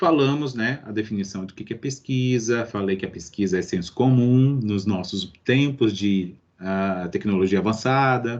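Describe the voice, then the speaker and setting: An ordinary speaking voice moves at a fairly slow pace with hardly any pauses. Its pitch variation is ordinary. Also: man, fairly low pitch for a man. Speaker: university lecturer. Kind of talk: lecture.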